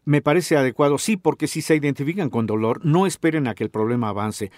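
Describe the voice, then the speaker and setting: A man's voice: on the high side, fast, darkish tone, dry recording. Mexican man, middle-aged, doctor on the radio, didactic tone, dry close sound. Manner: didactic, addresses listener directly with questions. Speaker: doctor hosting a health radio show. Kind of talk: informative radio talk.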